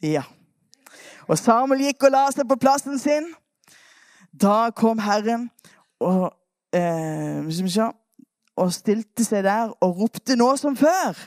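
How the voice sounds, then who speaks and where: A woman preacher retelling a Bible story in a lively sermon, coaxing her listeners to act out the parts. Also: a little high, long pauses, dry recording, studio quality.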